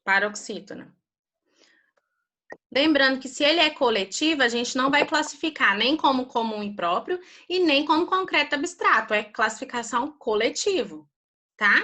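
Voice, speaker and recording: A woman's voice: sits high, lively intonation, normal speed, sharp tone. A woman teaching a primary school class on a video call, patiently drilling grammar terms with her students.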